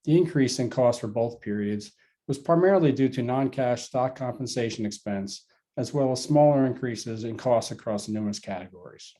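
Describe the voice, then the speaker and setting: A man's voice: mid-range voice, moderate pace, dark tone. A man reading a scripted financial report on an earnings call as a company finance executive, formal and methodical with figures.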